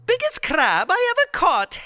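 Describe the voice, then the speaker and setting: A boastful old fisherman from a cartoonish game cutscene. His exaggerated voice is extremely high and bright, swinging wildly at a slow pace. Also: no room sound, full character voice. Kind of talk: cheesy 1990s video game cutscene acting.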